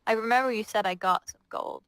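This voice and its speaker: A woman's voice: fairly high pitch, brisk, a bit bright, smooth, dry recording. A woman playing a tabletop game, moving casually between roleplay and table chat.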